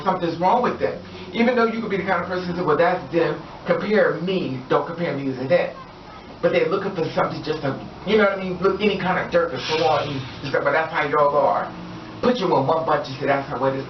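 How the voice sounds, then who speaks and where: With a slight hiss or hum in the background, a woman with a rather low voice shares her opinions in a relaxed vlog monologue. She is emphatic and repetitive, urging listeners on, and the recording is roomy, distant and dull.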